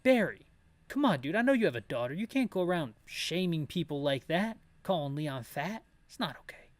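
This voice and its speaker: A man's voice: on the high side, very animated, normal speed, dry recording. A man giving casual, joking commentary on a game playthrough, with playful slangy asides as he reads dialogue aloud. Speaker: host of a video game playthrough with audio description.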